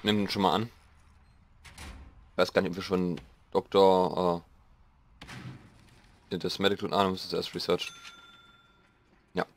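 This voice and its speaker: Slightly hoarse young man, low voice. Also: little pitch movement, normal speed, pauses often, slight background noise. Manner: rambling, self-mocking, thinking aloud. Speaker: let's play host. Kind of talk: casual gameplay commentary.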